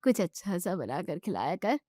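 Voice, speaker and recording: A woman voicing a lonely, hungry old neighbor woman who talks slowly and grumbles. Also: fairly low pitch, sing-song, dark tone, no echo, studio quality. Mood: grumbling.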